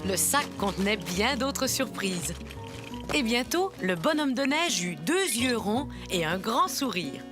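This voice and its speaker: A woman playing a kindly older grandmother who narrates children's stories in a gentle, expressive cartoon style. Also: on the high side, slow pace, over music. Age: older character. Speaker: storyteller. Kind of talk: scripted children's story narration.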